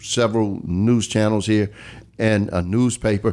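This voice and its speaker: This man has a fairly low-pitched voice with a dark, mellow tone and fairly even intonation. He speaks at a moderate pace on a very clean recording with a silent background. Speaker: podcast host. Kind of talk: casual interview chat.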